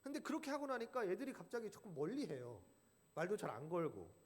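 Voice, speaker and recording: A man's voice: high-pitched, wildly swooping pitch, quick pace. A young adult man pastor preaching a sermon, telling a story from his own life and acting out the voices of other people in it. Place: church sanctuary. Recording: church hall reverb.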